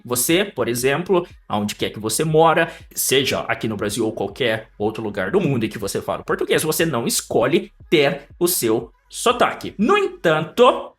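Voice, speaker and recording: A man teaching in a lively, emphatic way, asking rhetorical questions and giving advice to learners. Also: on the high side. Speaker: English teacher. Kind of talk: lecture to camera.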